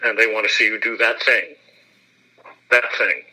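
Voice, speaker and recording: A man, an actor, giving a relaxed and self-deprecating interview, laughing often as he talks. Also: on the low side, normal speed, poor audio.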